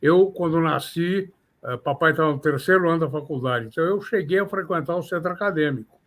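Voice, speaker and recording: An older man from São Paulo with a São Paulo Portuguese accent, a criminal defense lawyer recalling his career in measured, formal interview answers. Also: a little high, a bit bright. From São Paulo, Brazil. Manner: measured, formal, slightly florid phrasing.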